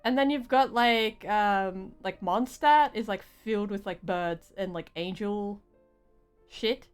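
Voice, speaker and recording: A young woman giving casual live game commentary, rambling and halting, with slangy phrasing. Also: medium pitch, clear, resonant tone, soft background music. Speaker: game streamer.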